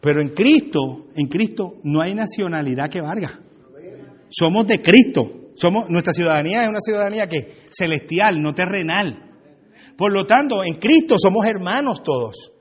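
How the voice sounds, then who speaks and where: A man's voice: high-pitched, animated, moderate pace, breathy edge, long reverb tail. A Puerto Rican man from Brooklyn, preaching a joking, conversational sermon and talking back and forth with his congregation. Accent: Puerto Rican Spanish. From USA (Brooklyn), Puerto Rican family. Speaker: pastor. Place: church hall.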